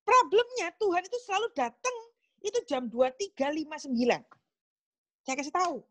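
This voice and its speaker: A woman's voice: sits high, lively intonation, normal speed, no room sound. A woman preaching a casual sermon, chatty and acting out little dialogues. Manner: chatty, acts out dialogues with God. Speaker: preacher at a small group meeting.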